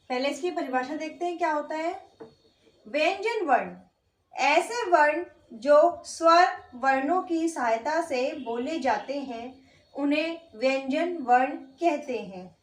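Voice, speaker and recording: A woman's voice: sits high, echoey room. A woman teacher giving an online grammar lesson, patiently asking the class questions and then answering them herself, and drawing out each letter as she spells it. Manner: slow and drawn out when spelling out letters.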